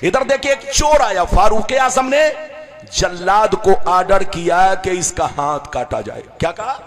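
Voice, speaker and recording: High-voiced preacher leading call-and-response. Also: male voice, animated, soft background music. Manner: call-and-response, urging the crowd to repeat loudly; swings between shouting and soft, sing-song delivery. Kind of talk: sermon.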